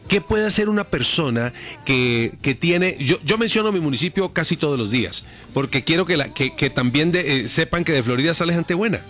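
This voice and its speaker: A man's voice: fairly high pitch, animated, brisk, fairly bright tone, faint music behind. A man from Colombia hosting a casual chat, asking earnest questions and repeating words as he goes. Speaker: radio host.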